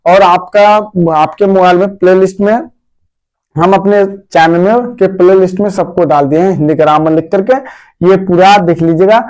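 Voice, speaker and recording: A man a high-pitched voice gives an informal grammar lesson. He speaks in a warm, fatherly and repetitive way, addressing his pupils as his dear children. He asks his own questions and then answers them. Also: fairly even intonation, moderate pace. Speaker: teacher.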